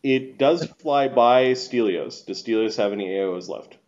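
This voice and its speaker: A man's voice: medium pitch, moderate pace, a little mellow. Game master, man in middle age, casual narration, slightly dull online-call sound. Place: indoor room, video call.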